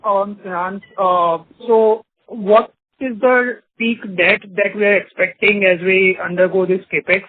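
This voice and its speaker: Polite high-voiced analyst on a phone line. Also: male voice, a little hiss or hum. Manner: polite, halting, addresses executives as sir. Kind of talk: asking questions on earnings call.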